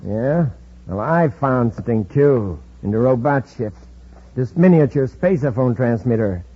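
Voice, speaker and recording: A man's voice: medium pitch, lively intonation, a little slow, slight background noise, close to an everyday voice. An actor playing a sly, commanding villain who bosses his gang in a 1950s radio drama, heard on a dull old radio recording. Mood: scheming. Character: scheming male villain, gang boss.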